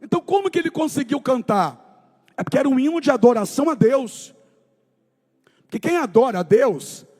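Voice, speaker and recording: A man preaching a sermon at a church service, with fervent delivery that swings from shouting to hushed storytelling. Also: very high voice. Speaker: pastor.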